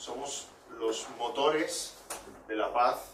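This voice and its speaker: A man with a Spanish accent is heard amid noticeable background noise and audible room echo. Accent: noticeable Spanish (Spain). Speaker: preacher and biblical counselor. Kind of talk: sermon.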